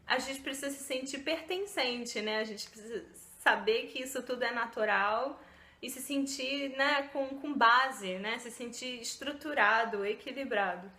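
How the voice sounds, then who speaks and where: A woman's voice: fairly high pitch, pushed and bright, roomy sound. A woman vlogger giving casual self-help talk to the camera, chatty, with many fillers and tag questions.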